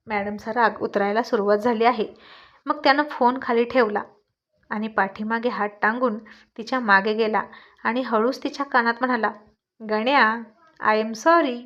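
A woman storyteller reading a love story aloud in an even storytelling manner. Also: fairly high pitch. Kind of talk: storybook narration. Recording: dull lo-fi recording.

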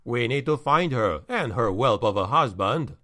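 A man doing a low, stern counselor. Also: lively intonation, moderate pace, fairly bright tone, lightly acted. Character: stern, calm male counselor, cool and measured.

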